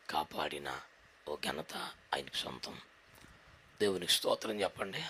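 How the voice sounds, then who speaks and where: A man's voice: fairly high pitch, gravelly, sharp tone, husky. A man preaching a sermon, building up with rhythmic repeated questions and a Telugu accent. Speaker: pastor.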